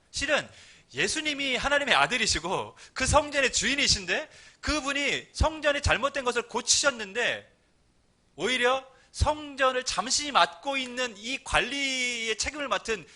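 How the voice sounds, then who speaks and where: A man's voice: very high-pitched, bright, forceful tone. A man preaching a Sunday sermon in a conversational way, acting out little quoted exchanges as he explains. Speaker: pastor.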